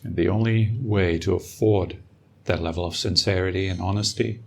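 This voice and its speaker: A man leading a guided meditation as a teacher, speaking calmly and unhurriedly with long pauses. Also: deep voice, gravelly. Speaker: meditation teacher and podcast host. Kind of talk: guided meditation, slow and soothing.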